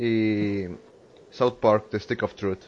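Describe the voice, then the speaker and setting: An unremarkable speaking voice comes from a man at a fairly slow pace. His intonation stays fairly even. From Tuxtla Gutiérrez, Chiapas, Mexico. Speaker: gaming podcast panelist. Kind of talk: news segment.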